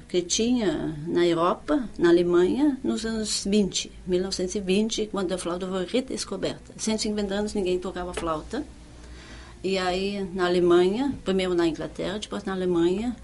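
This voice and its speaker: In an oral history interview, an older woman whose first language is not Portuguese, and who is not a native speaker, recalls her years as a music teacher, speaking haltingly and restarting often. Her mid-range voice is darkish, with a little hiss or hum in the recording.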